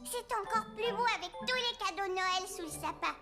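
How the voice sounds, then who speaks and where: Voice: extremely high pitch, a little fast, over loud music. An actor voicing a sweet, curious four-year-old boy in an eager, childlike way for a children's cartoon. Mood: excited.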